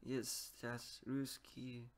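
A man whose first language is English practises speaking, slowly and haltingly, repeating words at his computer. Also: medium pitch, monotone, crowd noise. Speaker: language learner.

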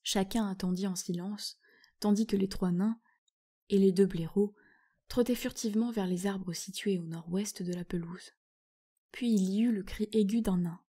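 A woman reading a children's novel aloud, expressive and doing the characters. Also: mid-range voice, normal speed, slightly rough. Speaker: reader.

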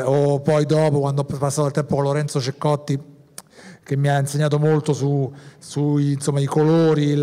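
Male director, rambling panel talk, slightly raised pitch, long hall reverb. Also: warm tone. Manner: rambling, many restarts.

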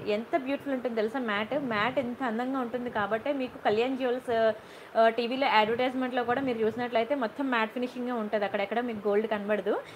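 A woman with a high, bright-toned voice hosts a live jewellery sale. She chats warmly with viewers, greets them by name and keeps asking "okay?" as she goes. A faint background hiss sits under her voice. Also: low-quality recording. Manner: warm and chatty, greets viewers by name, repeats "okay?" to check in; mixes English words and phrases into her Telugu. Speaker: jewellery seller on a live stream. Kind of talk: chatty live sales stream.

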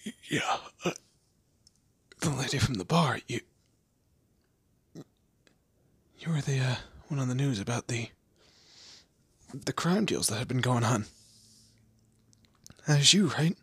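A man playing a weary, wry kidnapped guy in a roleplay audio drama, speaking haltingly and conversationally. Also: medium pitch, animated, breathy edge, no room sound, heavily acted. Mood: confused, wary. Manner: hesitant, halting, sardonic.

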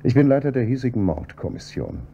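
An actor playing a calm, probing police inspector who heads homicide in a radio drama, with a dry, measured delivery. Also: male voice, medium pitch. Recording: dull, slightly noisy audio with hum.

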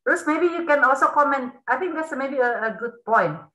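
A woman's voice: sits high, expressive, moderate pace, bright, forceful tone, roomy sound. A woman, hosting a webinar for kids and explaining things in a friendly way. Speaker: workshop host. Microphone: video call.

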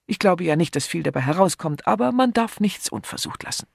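Man doing a male police inspector, deferential, dutiful, gravelly, dry. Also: high voice, animated, brisk, no room sound, pitched above the performer's own voice, heavily acted.

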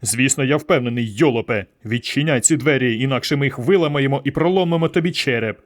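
A man doing a bullying sergeant, loud, rude, threatening, raised pitch. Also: quick pace, close to an everyday voice. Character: gruff bullying male police sergeant.

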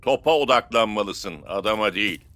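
A man voicing a calm football coach in a dubbed cartoon, measured and instructive. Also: lowish voice.

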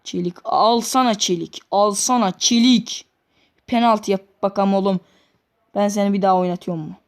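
A woman's voice: mid-range voice, steady tone, moderate pace. A woman reacting live as she plays a football video game, scolding and exasperated with the players. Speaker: gamer.

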